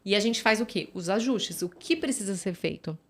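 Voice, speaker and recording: A woman's voice: mid-range voice, animated, moderate pace. A woman, a physiotherapist chatting as a podcast guest, storytelling with lots of fillers and tag questions. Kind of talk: casual podcast conversation.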